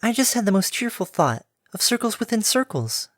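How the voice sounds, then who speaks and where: A man putting on a gentle soft-spoken mare pony. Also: high voice, sing-song, fairly quick, no echo, studio quality, pitched above the performer's own voice. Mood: gentle cheerful. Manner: soft, breathy, sweet.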